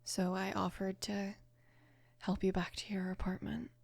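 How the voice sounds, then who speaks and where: A woman of about twenty playing a caring, apologetic mafia boss's daughter in an intimate ASMR roleplay, soft-spoken and hesitant, with a breathy, creaky voice. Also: mid-range voice, level tone, a little slow, no room sound. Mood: gentle, reassuring. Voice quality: breathy, whispery with heavy creak.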